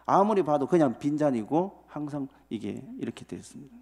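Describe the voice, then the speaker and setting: Male pastor, animated storytelling sermon; husky, expressive pitch. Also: brisk. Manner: animated storytelling with rhetorical questions to the congregation. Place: church sanctuary.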